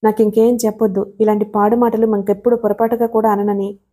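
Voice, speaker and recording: A woman's voice: medium pitch, level tone, quick pace, mellow, breathy edge, close to an everyday voice. A woman voicing a loving, anxious young wife who speaks earnestly and reproachfully.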